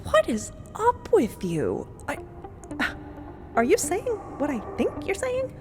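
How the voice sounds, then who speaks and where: A woman's voice: high-pitched, wildly swooping pitch, slow pace, over music, exaggerated voice. A woman playing a flustered, lovestruck young space explorer in an audio drama, hesitant and incredulous.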